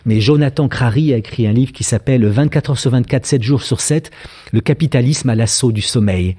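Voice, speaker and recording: A man's voice: medium pitch, brisk, mellow, husky. A French man in his fifties giving a public philosophy lecture, thoughtful and full of hesitant filler sounds. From France.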